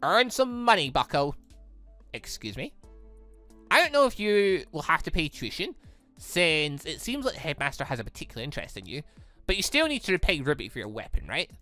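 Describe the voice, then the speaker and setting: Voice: mid-range voice, wildly swooping pitch, a little fast, pushed and bright, soft background music. A gaming host voicing a brash, teasing young rabbit-eared girl from a visual novel, with sassy, blunt delivery.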